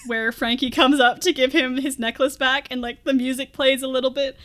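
A woman's voice: high voice, steady tone, a little fast, fairly bright tone, slight background noise. A woman hosting a podcast, talking casually about a movie in a chatty, jokey way with frequent laughter. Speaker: podcast host.

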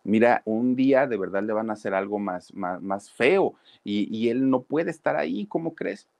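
A man's voice: mid-range voice, expressive, moderate pace, vocal fry, a little mellow, no echo. A man voicing worried pleading siblings. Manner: urgent and pleading. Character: worried grown siblings pleading with their mother.

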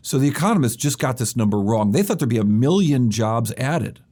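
A man hosting a business news podcast, explaining stock and economic stories briskly with occasional fillers. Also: medium pitch, lively intonation, warm tone. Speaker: podcast host.

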